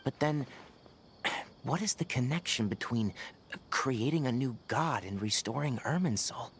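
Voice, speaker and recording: A man voicing a composed, articulate young scholar in a video game, with a measured, thoughtful manner. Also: medium pitch, expressive, a bit bright, slight background noise. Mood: grave, concerned. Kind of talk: video game character acting.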